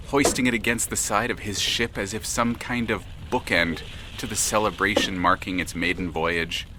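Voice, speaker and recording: A man narrating an audio drama in a measured, dramatic, literary storytelling manner. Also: fairly low pitch.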